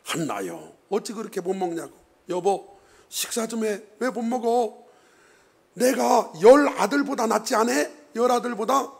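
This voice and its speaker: A man voicing a kind husband who softly coaxes his grieving wife to eat. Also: high-pitched, expressive, unhurried, vocal fry, breathy edge, pitched above the performer's own voice, heavily acted. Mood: coaxing. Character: gentle kindly husband coaxing his wife.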